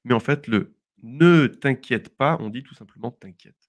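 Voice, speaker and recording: A man's voice: mid-range voice, moderate pace, no echo. A young man from southwest France talks through everyday expressions in a casual podcast lesson. He explains patiently and breaks into laughter often. His tone stays friendly and conversational. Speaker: French teacher, podcast co-host.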